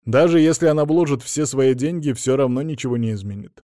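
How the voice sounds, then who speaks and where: A man's voice: mid-range voice, a little fast, dark tone, dry recording, clean studio sound, close to an everyday voice. Man reading as a wry, blunt lawyer. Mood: reassuring. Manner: frank, matter-of-fact, faintly mocking. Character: wry, blunt middle-aged male lawyer.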